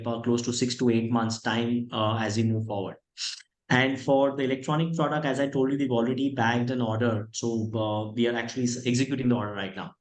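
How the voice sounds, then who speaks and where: A man with an Indian accent, a company executive answering questions on a conference call in a measured, explanatory way. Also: medium pitch. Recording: echoey room on conference call.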